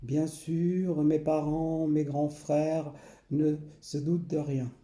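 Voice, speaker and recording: A man, recalling his past slowly and hesitantly, often pausing and repeating himself. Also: a little high, level tone, warm tone, reverberant. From Portugal. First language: Portuguese. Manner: hesitant, many pauses and repeated phrases. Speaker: memoir narrator. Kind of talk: slow personal recollection.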